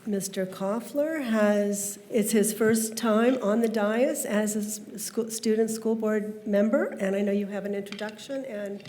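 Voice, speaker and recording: A woman's voice: medium pitch, fairly even intonation, unhurried, hardly any pauses, warm tone. A woman chairing a school board meeting, moving business along with brief, informal prompts.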